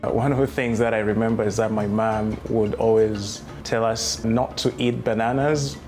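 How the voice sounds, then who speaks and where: A man in his thirties from Rwanda, recounting his life story in a reflective, unhurried way with many fillers. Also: lowish voice, fairly even intonation, a little mellow. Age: 30s. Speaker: memoir writer telling his life story. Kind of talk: personal testimony. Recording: music playing underneath.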